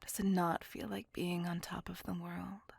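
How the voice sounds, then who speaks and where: A woman voicing a possessive, doting, centuries-old female vampire in an ASMR roleplay, whispering softly with formal, old-fashioned phrasing. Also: on the low side, level tone, normal speed, gravelly, husky, exaggerated voice. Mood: wistful. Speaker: voice actor.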